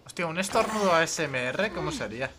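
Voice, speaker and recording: Chatty streamer man, lively voice. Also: a little high, fast talker, background noise. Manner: chatty, self-interrupting, swears casually. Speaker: gaming streamer. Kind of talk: casual let's-play chat.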